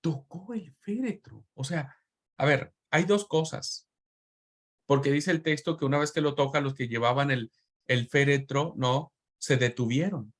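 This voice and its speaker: A man of medium pitch lecturing a Bible class with the fervor of a preacher. He repeats key words for emphasis and turns often to his listeners as brothers. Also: steady tone, normal speed. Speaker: Bible teacher.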